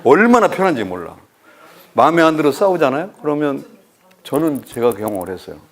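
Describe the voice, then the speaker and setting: A man's voice: fairly high pitch, brisk. A male professor, giving a humorous lecture full of anecdotes and acting out conversations to tease his audience. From Chungcheong, South Korea. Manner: animated storyteller who acts out dialogue and teases the audience.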